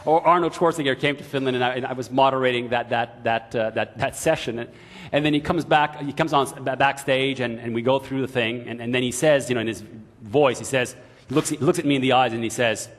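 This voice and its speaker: A middle-aged man moderating a conference panel on stage, telling stories with animated asides. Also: medium pitch. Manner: animated storyteller, quick asides. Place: large conference hall stage with audience. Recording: long hall reverb, audience murmur.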